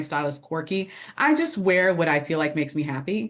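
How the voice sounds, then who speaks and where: Over a quiet background, a woman talks at a moderate pace in a very deep, low pitch. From US South, small town in South Georgia. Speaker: interview guest. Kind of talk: casual interview.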